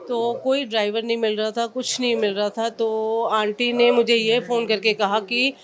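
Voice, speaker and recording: A woman talks through her experiences as a taxi driver, recounting each story in an animated way. Her voice sits a little on the high side, and she slips English phrases into her talk. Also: normal speed. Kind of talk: casual interview chat.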